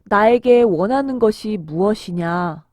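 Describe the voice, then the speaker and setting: A woman's voice: medium pitch, animated, measured pace, a little mellow, dry recording, pitched below the performer's own voice, close to an everyday voice. A woman voicing a solemn, authoritative male holy teacher in a children's Bible story. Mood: gentle, solemn.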